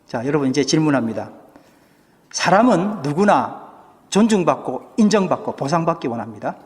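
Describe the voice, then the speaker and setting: A man's voice: fairly high pitch, very animated, moderate pace. A male pastor preaching a sermon, putting questions to the congregation and acting out what people say. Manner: asks the congregation questions, acts out quoted speech. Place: church. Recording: church hall with long reverb.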